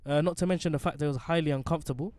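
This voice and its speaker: A man's voice: fairly high pitch, racing, dry recording. A young man with a London accent hosting a casual, joking podcast from inside a parked car. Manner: animated, playful, joking. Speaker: podcast host.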